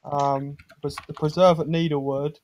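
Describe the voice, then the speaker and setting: A man's voice: on the high side, little pitch movement, moderate pace, darkish tone, slight background noise. A man chatting casually as a guest on a gaming stream, hesitant and modest in his way of talking. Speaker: guest golf course designer on a gaming stream. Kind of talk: casual chat.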